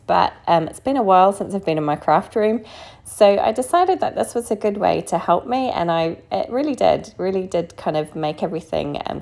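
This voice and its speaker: A woman hosts a casual craft tutorial in a fairly low, gravelly voice. She sounds croaky from being sick, and she talks in a chatty, tentative way as she explains each step. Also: a little mellow.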